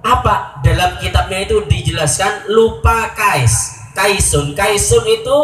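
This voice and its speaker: A man preaching a lively sermon, telling a story, acting out voices and asking the crowd questions. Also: high-pitched, measured pace. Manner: animated, acts out voices, chants takbir, asks audience questions. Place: outdoor religious gathering with PA speakers. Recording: echoey PA sound from far off, faint music.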